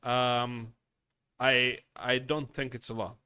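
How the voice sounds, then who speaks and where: A man's voice: medium pitch, flat delivery, slow, sharp tone, clear, resonant tone, dry recording. A man hosting a casual livestream, chatting with viewers, reading their messages and swearing bluntly as he rambles. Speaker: livestream host.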